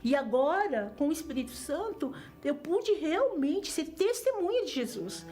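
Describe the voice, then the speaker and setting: A woman's voice: sits high, very animated, measured pace, a little mellow. Earnest Brazilian woman giving testimony. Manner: earnest, emotional, repeats phrases for emphasis. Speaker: church member giving testimony. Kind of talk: personal religious testimony.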